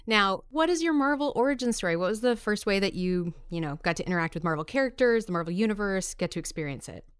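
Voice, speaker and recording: Woman, podcast host, smooth clear voice, enthusiastic, interviewer. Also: mid-range voice, animated, fast. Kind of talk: upbeat show hosting and interviewing.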